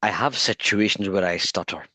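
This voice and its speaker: A man with a low, deep voice asks his questions slowly and thoughtfully. He stutters often, repeating words and catching on first sounds. The sound is dry and close. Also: bright, forceful tone, no echo. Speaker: interviewer. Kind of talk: conversational interview.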